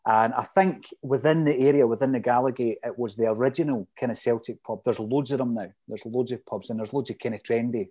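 A middle-aged Scotsman speaks in a Fife accent with a mellow, softly rounded tone at an ordinary male pitch. He chats casually, telling his memories as detailed anecdotes. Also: fairly quick, hardly any pauses. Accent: Fife Scottish. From Fife, Scotland. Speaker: interview guest, lifelong football supporter. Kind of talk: casual reminiscing chat.

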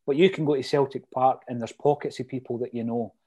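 A man's voice: medium pitch, fairly even intonation, quick pace, a little mellow. A middle-aged man with a Fife Scottish accent, reminiscing casually in a chatty, detailed, anecdotal way. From Fife, Scotland. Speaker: interview guest, lifelong football supporter.

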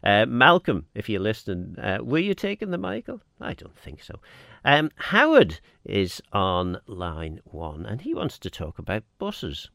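A man's voice: lowish voice, wildly swooping pitch, measured pace, creaky, hardly any pauses, a bit bright, dry recording, studio quality. A man with a Manx accent hosts a radio phone-in, chatting casually and reading out listeners' texts in a hesitant, rambling way.

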